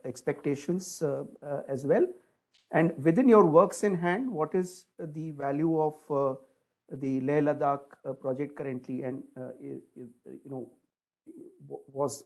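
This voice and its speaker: Man, slightly high pitch, analyst, detailed polite questions, hesitant delivery. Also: darkish tone, rough recording. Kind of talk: earnings call questioning.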